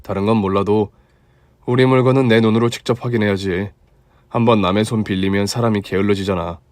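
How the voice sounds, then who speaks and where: A humble, hardworking young husband, as a man plays him, speaking calmly in a voice pitched below the narration. The recording is close and dry. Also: a little fast, no room sound, lightly acted. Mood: earnest. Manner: low, calm and earnest. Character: kind, diligent young husband, modest and earnest.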